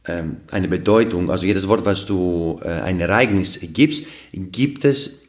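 Earnest, slightly low-voiced man explaining. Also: measured pace. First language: not German. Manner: earnest, explains with everyday examples, frequent fillers and restarts. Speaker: podcast guest. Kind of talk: casual explanatory talk.

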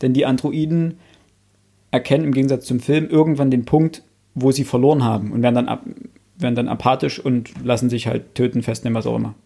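Gravelly-voiced man rambling in casual chat. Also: medium pitch, flat delivery, fast talker, mellow. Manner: rambling, thinks aloud with frequent restarts; enthusiastic recommender. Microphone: close studio mic.

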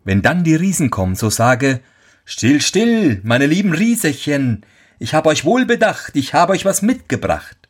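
A man voicing a kindly talking white horse that calmly advises its rider in a storybook tale. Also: medium pitch, measured pace, slightly rough. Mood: advising.

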